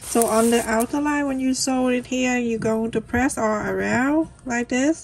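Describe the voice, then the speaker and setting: A woman with a fairly high pitch speaks at a fairly slow pace. Background noise is noticeable. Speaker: sewing tutorial creator. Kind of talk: tutorial.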